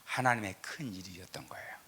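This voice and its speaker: A middle-aged Korean pastor from the south with a slight southern regional lilt, preaching a teaching sermon with scripture readings and rhetorical questions. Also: male voice, deep voice, fast, bright, forceful tone, slight background noise. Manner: emphatic, rhetorical questions, frequent "eo" fillers. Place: church sanctuary.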